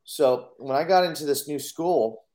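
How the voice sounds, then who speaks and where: A man's voice: on the high side, normal speed, darkish tone. A man telling his own life story on a podcast in an earnest way, acting out his inner thoughts in quotes. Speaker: podcast guest. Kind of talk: personal storytelling.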